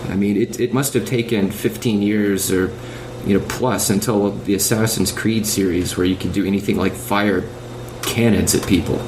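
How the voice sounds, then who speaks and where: A man talking casually as a podcast panelist about games, explaining things in measured, articulate phrases. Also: steady tone. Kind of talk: casual video game discussion. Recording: noisy low-quality online voice chat.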